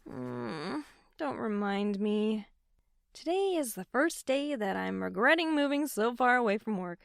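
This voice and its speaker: A young woman played by an actress with a fairly high voice. She is friendly and easygoing, a bookish type. Her delivery is natural and conversational, as in an audio drama. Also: animated, unhurried, creaky, no room sound, clean studio sound. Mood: casual, tired. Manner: casual, conversational.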